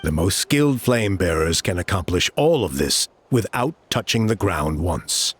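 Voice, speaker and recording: A man's voice: sits low, very animated, a little slow, slight background noise. A man voicing a composed tribal guide in a video game, patiently explaining the steps of a sacred rite. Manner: patient, explanatory, with a wry chuckle. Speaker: ceremony guide.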